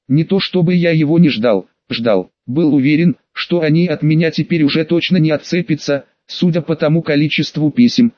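A man reading a first-person audiobook in a steady, even way. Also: on the high side, no room sound. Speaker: audiobook narrator. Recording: dry, slightly muffled studio read.

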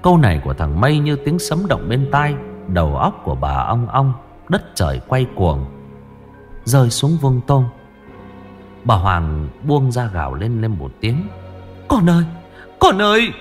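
A man narrating a ghost story in a lively way. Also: medium pitch, measured pace, faint music behind.

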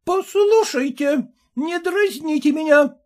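A man's voice: very high-pitched, takes it slowly, darkish tone, pitched above the performer's own voice. A man playing a pompous, legalistic husband who blusters and sneers, with a pedantic way of talking.

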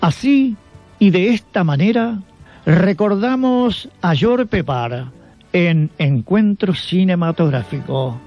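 Higher-pitched Argentine man narrating on radio. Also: lively intonation, slow. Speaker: radio show host. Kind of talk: scripted biographical radio narration. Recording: dull lo-fi sound with background music. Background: music.

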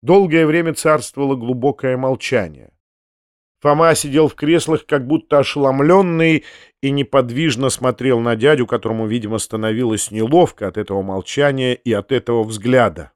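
Brief: male audiobook narrator, steady literary reading, dry studio sound. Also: medium pitch, normal speed, no room sound.

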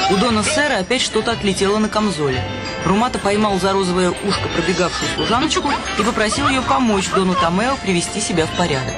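A man narrating a radio play in an ironic storytelling manner. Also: high voice. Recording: radio play with loud music.

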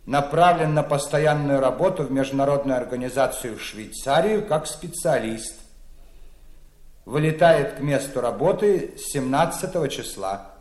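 A man's voice: mid-range voice, normal speed, darkish tone, echoey room, natural voice. An actor playing a dutiful male subordinate who reads out a formal, businesslike report.

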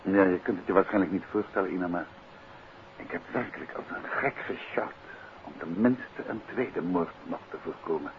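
A male actor as a composed gentleman detective speaks in a lowish voice with a Netherlands Dutch accent. He is courteous and inquisitive, in the manner of 1950s radio drama. The sound is narrow and noisy, like an old broadcast. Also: moderate pace, lightly acted. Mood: regretful. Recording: band-limited, noisy 1950s radio recording.

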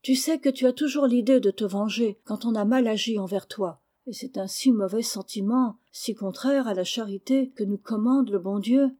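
A woman reading the part of a gentle, pious blind girl who speaks softly and earnestly in a storybook. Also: on the high side, normal speed, hardly any pauses, close to an everyday voice. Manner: soft, tender, earnest.

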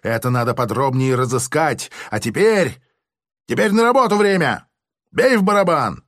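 A shrill furious prison major. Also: male voice, wildly swooping pitch, takes it slowly, slightly rough, no echo, clean studio sound, full character voice. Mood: shouting, hasty. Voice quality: shrill, squealing shouts. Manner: barking short commands, drawn out. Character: shrieking enraged male prison major, bullying.

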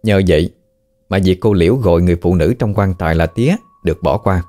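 A man with a Southern Vietnamese accent narrating a ghost story in a steady, measured way. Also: sits low. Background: faint background music.

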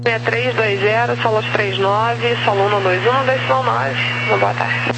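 A man's voice: very high-pitched, fairly even intonation, moderate pace. A man working as an air traffic controller, speaking in clipped phraseology over a crackly aviation radio. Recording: crackly radio with clear hum and noise.

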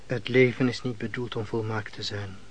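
An actor playing a calm, philosophical host who defers to his lord in a radio play, speaking in a measured, formal way. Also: fairly low pitch, natural voice. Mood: grave, reflective. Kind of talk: theatrical Dutch radio play acting. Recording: faintly noisy old radio play recording.

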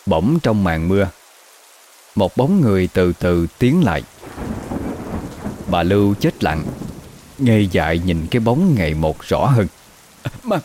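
A man narrating a horror story in a slow, measured storytelling voice. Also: low-pitched, noisy background.

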